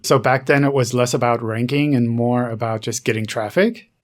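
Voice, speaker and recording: Male podcast speaker, medium pitch, playful questioner, loose casual banter. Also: normal speed. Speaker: podcast guest or co-host.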